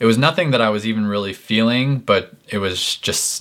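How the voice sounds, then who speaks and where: In an unremarkable speaking voice, a man talks fairly quickly, his pitch varying in an ordinary way. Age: 30s. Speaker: professional marathon runner. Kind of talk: casual interview.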